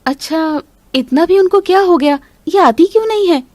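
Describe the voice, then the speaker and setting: A young daughter-in-law speaks earnestly and politely in a high, animated voice, voiced by a woman. She is a patient but firm young wife in a storybook cartoon. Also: moderate pace, no echo.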